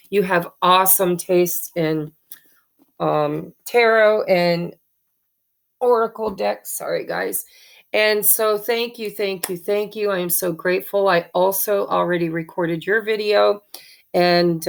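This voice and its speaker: A woman, hoarse from allergies, chatting in a rambling, thankful way as host of a tarot channel, with many ums. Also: on the low side. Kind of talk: casual chat to viewers.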